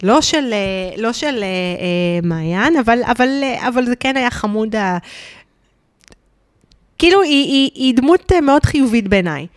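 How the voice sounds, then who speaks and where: An Israeli woman co-hosting a podcast, chatting casually about a reality show in a halting way, repeating words as she thinks. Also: fairly high pitch, lively intonation, dry recording, studio quality. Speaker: podcast co-host.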